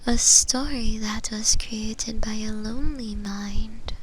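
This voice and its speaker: Woman as female shadow demon for ASMR roleplay: hushed breathy whisper, drawn-out delivery, possessive and intimate, faint ambient noise. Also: fairly high pitch, steady tone, low-quality recording. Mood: wistful musing. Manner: slow, deliberate, hushed, philosophical musing.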